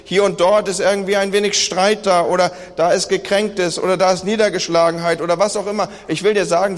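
A man preaching a sermon, addressing his congregation directly in an earnest, repetitive way. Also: sits high. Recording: long hall reverb.

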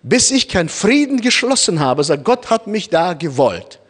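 A man's high voice, born in Kazakhstan and carrying a noticeable foreign accent, preaches to his congregation. His pitch leaps and falls constantly as he acts out small scenes and turns to his listeners with direct questions. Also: very animated, moderate pace, fairly bright tone. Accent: Kazakh-born, speaking German with a noticeable foreign accent. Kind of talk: sermon.

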